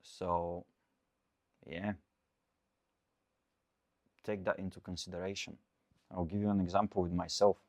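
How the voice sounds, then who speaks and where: A man's voice: low voice, level tone, a little slow, long pauses, a little mellow, no room sound. A man in his twenties, a coach, giving an earnest, repetitive motivational talk. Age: 20s. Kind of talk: motivational monologue.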